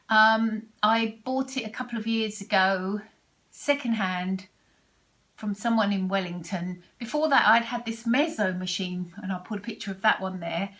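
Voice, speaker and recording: A British woman in her sixties vlogs about her sewing, chatting casually to camera with a British accent. Her mid-range voice has a fairly bright tone, and she rambles through restarts and asides.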